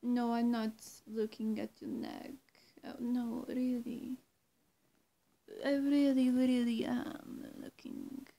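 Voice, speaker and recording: Woman playing a high-voiced, coy female vampire. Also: little pitch movement, vocal fry, dark tone, heavily acted. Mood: flustered. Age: young adult. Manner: coy, halting, cooing endearments. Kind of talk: ASMR-style roleplay addressed to the viewer. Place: small indoor room, seated on a bed. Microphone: camera or phone at arm's length.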